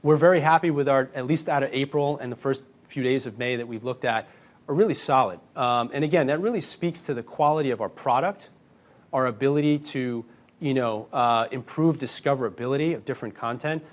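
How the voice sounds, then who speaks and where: Confident male executive, mid-pitched. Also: brisk. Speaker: company executive. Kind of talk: earnings call answers to analysts.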